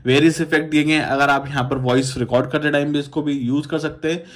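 A man's voice: on the high side, fairly even intonation, fast. A man, presenting a casual phone tutorial in a repetitive, instructional way, addressing viewers as friends. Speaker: tech YouTuber.

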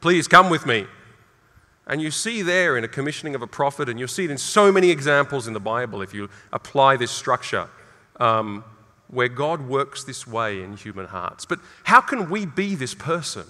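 A middle-aged Australian man preaching a sermon, earnest and emphatic, jumping higher when he quotes scripture. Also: lively intonation, moderate pace, pushed and bright. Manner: earnest, emphatic, with sudden rises for quoted lines. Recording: reverberant hall.

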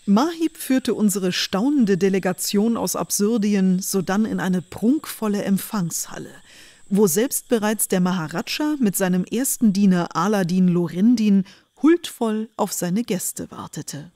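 A woman's voice: medium pitch, expressive, a little slow, warm tone. A woman reading scripted fairy-tale narration for an audio drama, addressing her listeners as a storyteller. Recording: music under the voice. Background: music.

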